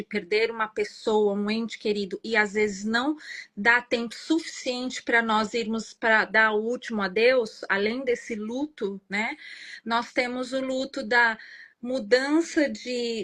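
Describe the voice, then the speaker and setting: A woman's voice: a little high, a bit bright. A Brazilian woman guest speaking in an earnest, explanatory way and often tagging her phrases with "né?". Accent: Brazilian Portuguese. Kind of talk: reflective interview conversation.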